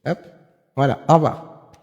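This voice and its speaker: A man's voice: unhurried, darkish tone, long reverb tail, dull audio. A man streaming live, commenting on videos and chatting with viewers in a sarcastic, rambling way with lots of fillers.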